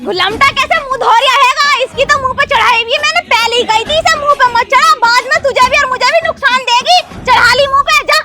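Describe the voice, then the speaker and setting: A woman's voice: very high-pitched, a little fast, few pauses. A woman playing a bossy, scolding old village mother-in-law, nagging and threatening in a rustic comedy skit. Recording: loud background music.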